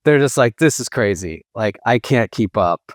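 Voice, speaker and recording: A man answering interview questions as a sales executive, speaking informally and emphatically, often acting out quick bits of dialogue. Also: medium pitch, expressive, dry recording, studio quality. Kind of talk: casual conversational interview answers.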